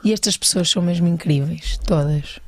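A woman's voice: lowish voice, a little fast, no echo, studio quality. A woman guest with a Porto accent talking casually and easily about her work as an actress. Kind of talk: casual chat interview.

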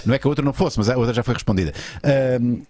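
A man's voice: medium pitch, very fast, warm tone. A man with a European Portuguese accent hosting an informal live chat show, interjecting and questioning his guest in a casual way.

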